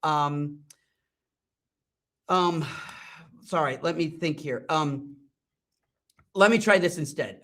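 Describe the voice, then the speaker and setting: A man's voice: a little high, a bit bright. Upbeat man hosting a livestream demo. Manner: enthusiastic, rambling, frequent ums and restarts. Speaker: host and company CEO. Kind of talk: live-streamed product talk and software demo.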